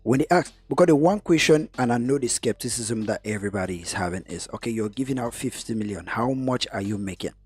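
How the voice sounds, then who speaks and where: A man from Cameroon talking about his business in a podcast conversation, getting animated when he stresses a point. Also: medium pitch, fast, hardly any pauses, breathy edge, no room sound, faint music behind. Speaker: guest investor.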